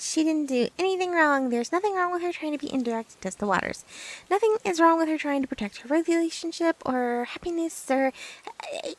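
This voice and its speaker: A woman playing a nervous, lovesick and obsessive young female best friend in an ASMR roleplay, stammering haltingly as if confessing. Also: high voice, low-quality recording. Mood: defensive, nervous.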